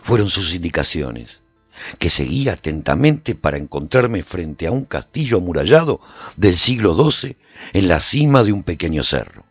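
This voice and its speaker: A man narrating a radio drama in an expressive storytelling manner. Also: sits low, moderate pace, husky, no room sound. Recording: dull lo-fi recording with faint music.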